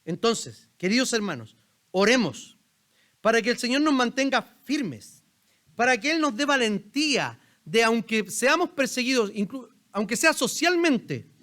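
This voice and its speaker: In a church sanctuary, a Chilean pastor preaches from the pulpit, very animated and a little slow, his voice high for a man and a bit bright. He stays conversational while firing questions at the congregation.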